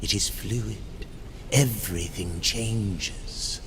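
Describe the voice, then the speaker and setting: An actor playing a sly, scheming demon merchant in a video game, speaking in a cryptic, unctuous way. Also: male voice, lowish voice, very slow. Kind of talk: video game cutscene acting. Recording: clear ambient noise behind.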